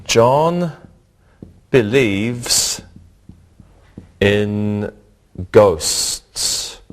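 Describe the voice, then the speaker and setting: A man teaching an English lesson for learners, speaking slowly and deliberately and repeating each word. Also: on the low side, animated.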